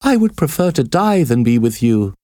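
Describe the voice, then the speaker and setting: A man voicing a frightened young gypsy woman, crying out in a high voice. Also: very animated, moderate pace, mellow, no echo, clean studio sound, close to an everyday voice. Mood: despairing. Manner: high pleading cries.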